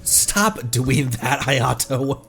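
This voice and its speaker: A man's voice: medium pitch, animated, very slow, creaky. A man livestreaming a game with casual, rambling and exclamatory commentary. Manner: exclamatory, rambling, laughs easily.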